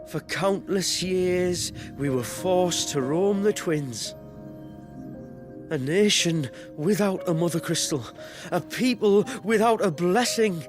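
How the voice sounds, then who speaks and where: An actor playing a defiant tribal chief in a video game, speaking earnestly and emotionally. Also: male voice, high-pitched, slow. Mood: proud, earnest. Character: desperate, defiant young tribal chief, male. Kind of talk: dramatic game dialogue. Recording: music behind.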